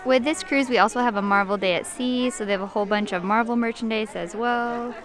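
A woman's voice: fairly high pitch, a little fast, over music, crowd noise. Upbeat woman vlogging on a cruise ship. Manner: upbeat, enthusiastic. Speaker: vlog host. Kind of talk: casual travel vlog chat. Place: cruise ship dining room, shops and theater, indoors. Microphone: handheld camera at arm's length.

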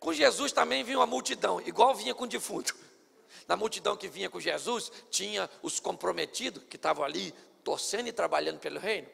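High, gravelly man preaching. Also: fast talker, fairly bright tone, big-room sound. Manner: theatrical, playful. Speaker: pastor. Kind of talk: sermon. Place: church service.

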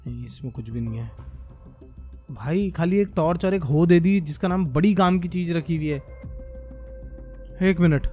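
A young man commenting on his own gameplay as a gaming creator, muttering as he works and then bursting into excited shouts. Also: on the high side, normal speed, pauses often, soft background music. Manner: talks to himself and viewers, swings from muttering to excited shouts. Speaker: gaming YouTuber.

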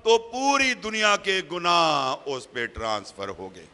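Preacher guy in a church hall, slow and bright, lots of echo, keeps repeating himself for emphasis. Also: a little high, huge pitch swings. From Pakistan. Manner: emphatic, repeats key phrases, rises and drops sharply. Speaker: evangelist preacher. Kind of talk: sermon. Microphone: handheld microphone. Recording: long reverb of a hall.

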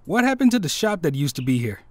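A man's voice: a little high, big pitch swings, fast talker. A man playing an easygoing, cocky teenage boy hero in an audio drama, with a reverberant sound. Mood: puzzled.

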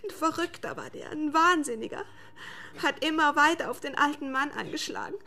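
Frightened young housemaid, higher voice. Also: female voice, gravelly, sharp tone, heavily acted. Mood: horrified, distraught. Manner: halting, horrified, breathless emphasis. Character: frightened young Irish housemaid recounting a murder she witnessed. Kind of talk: German radio drama acting.

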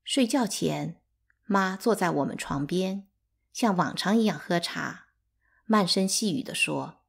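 Calm woman reading a bedtime story. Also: on the low side, unhurried, gravelly, slightly rough. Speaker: audiobook reader.

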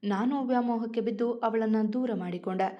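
A woman's voice: on the high side, a little fast, highs cut off, natural voice. A woman voicing a remorseful older father-in-law who speaks in a heavy, confessional way in a storybook reading. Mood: regretful.

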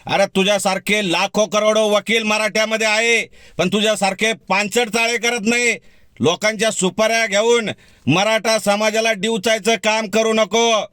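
A man's voice: sits high, steady tone, moderate pace, a bit bright, no echo, clean studio sound. A man, an activist giving a heated, defiant rebuttal straight to the camera. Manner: defiant, heated, direct address. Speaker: community activist. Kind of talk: fiery video rebuttal.

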